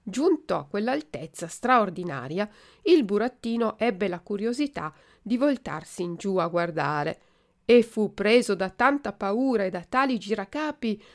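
A woman narrating a classic storybook in a measured, expressive reading. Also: medium pitch.

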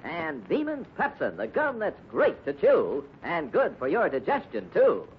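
A man's voice: high voice, wildly swooping pitch, measured pace. A man with an American accent reading adverts as an announcer in 1950s radio style. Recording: muffled, hissy old radio recording.

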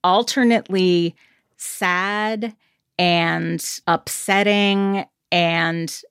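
A woman hosting a podcast, talking through a film in a thoughtful, measured way. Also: lowish voice, fairly even intonation, fairly bright tone, smooth, dry recording, clean studio sound. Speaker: podcast host. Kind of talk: casual roundtable discussion. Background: theme music.

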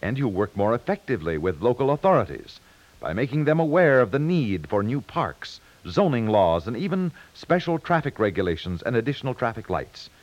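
Animated American radio announcer, male. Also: medium pitch, a little fast. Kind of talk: 1950s scripted radio announcing. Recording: muffled 1950s radio broadcast.

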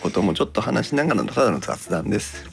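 A man's voice: fairly low pitch, big pitch swings, quick pace, vocal fry, soft background music. A man hosting a casual podcast, mixing polite announcer-like phrasing with joking small talk. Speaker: podcast host.

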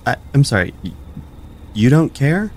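A man's voice: mid-range voice, big pitch swings. An actor playing an anxious, apologetic young gay man in a naturalistic audio drama, speaking hesitantly. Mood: sheepish, confessing. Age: young adult. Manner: hesitant, halting confession. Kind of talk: naturalistic fiction podcast drama dialogue.

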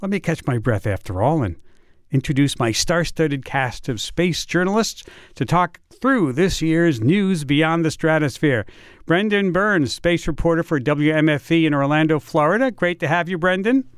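A man hosting a public radio science talk show, speaking in an animated, lively way. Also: on the high side, normal speed, smooth, no echo, clean studio sound.

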